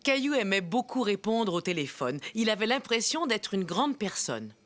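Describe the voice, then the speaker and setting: A woman's voice: mid-range voice, sing-song, normal speed, close to an everyday voice. A woman playing a kindly storyteller who narrates scripted storybook tales for young children in a cartoon. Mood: storytelling. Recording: music behind the narration.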